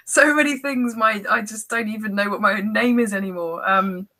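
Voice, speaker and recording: A woman's voice: medium pitch, brisk, pushed and bright. A woman speaking as a guest author in casual, informal, self-deprecating podcast conversation.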